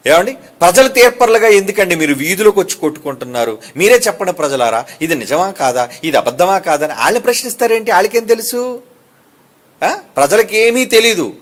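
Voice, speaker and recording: A male pastor delivers a sermon in a notably high voice. He preaches emphatically, firing rhetorical questions at the congregation and breaking in with quick asides to keep them with him. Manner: emphatic and animated.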